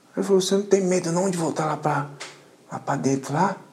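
A man keeps a moderate pace while noticeable background noise sounds behind him. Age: 30s. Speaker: community resident. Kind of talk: interview. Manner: informal slang-heavy.

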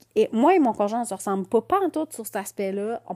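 A woman with a normal speaking voice talks at a fairly high pitch in a very clean recording with a silent background. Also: dry, close sound with no echo. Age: 40s. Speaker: life coach and podcast host. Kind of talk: solo podcast monologue. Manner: casual, conversational.

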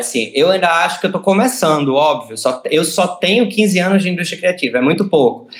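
High-pitched male voice with lively intonation at a moderate pace. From Brazil, Natal (Rio Grande do Norte). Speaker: screenwriter. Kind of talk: casual chat.

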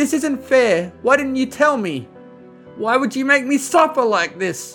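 A put-on, growling character voice speaks at a moderate pace over music in the background. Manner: angry, growling.

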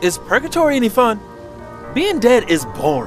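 Over faint background music, a man in a put-on character voice speaks at a moderate pace, his extremely high pitch making very wide swings.

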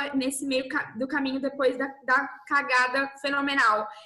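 The woman's voice is raised and projected. Her pitch is high. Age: 20s. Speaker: image and style consultant. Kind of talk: casual interview chat.

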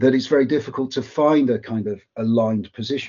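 Using a normal speaking voice, a man speaks at a fairly quick pace with a medium pitch and fairly even intonation. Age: 50s. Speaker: music industry climate activist. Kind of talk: interview.

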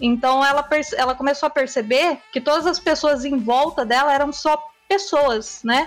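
There is noticeable background noise as a woman speaks at a fairly slow pace. Her pitch is high. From Brazil, interior of Paraná. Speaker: tabletop RPG player and streamer. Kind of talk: casual chat.

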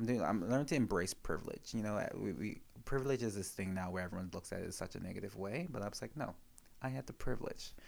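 A man talks at a very fast pace in a fairly low pitch. His tone is animated, with ordinary pitch variation. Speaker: podcast host. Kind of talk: casual chat. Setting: studio.

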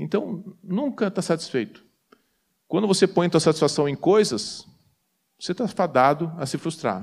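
In a very clean recording with a silent background, a man speaks at a moderate pace in a high voice with lively intonation. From southern Brazil (Porto Alegre). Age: 50s. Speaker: physician and lay preacher. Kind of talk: sermon.

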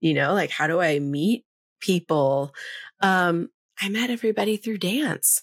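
Speaking with an American accent, a woman with a fairly low pitch talks at a fairly slow pace in an animated tone, her intonation lively and the sound dry and close with no echo. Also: very clean recording, silent background. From Southern California. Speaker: life coach and podcast host. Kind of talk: casual monologue.

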